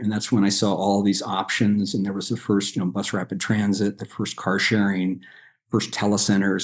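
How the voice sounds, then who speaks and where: A man with a General American accent talks at a fairly quick pace. He has an unremarkable speaking voice with a fairly low pitch. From Colorado. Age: 60s. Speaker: vehicle designer and author. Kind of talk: podcast interview.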